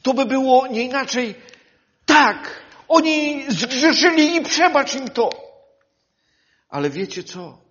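A man preaching a sermon, swinging between loud fervent passages and hushed quiet ones, often calling his listeners dear ones. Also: extremely high pitch, expressive, slow pace, long pauses. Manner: addresses listeners as "kochani". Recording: dull lo-fi sound.

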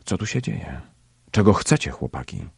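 A man voicing a startled, jumpy police desk sergeant in an audiobook story, shouting in alarm. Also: deep voice, sing-song, moderate pace, creaky, slightly rough, no echo, studio quality, voice pushed up, full character voice.

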